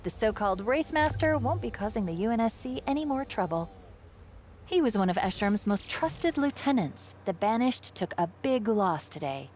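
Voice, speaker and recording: An actress playing an upbeat young female military AI companion in a video game, briefing in a brisk, chatty, eager way. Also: a little high, big pitch swings, slight background noise. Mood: pleased, confident. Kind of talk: video game mission dialogue. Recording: loud game music behind.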